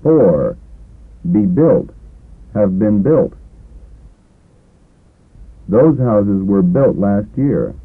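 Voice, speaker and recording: A man reading scripted English drills as a language course narrator, with careful, deliberate enunciation. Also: lowish voice, very animated. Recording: husky, phone-like old lesson tape.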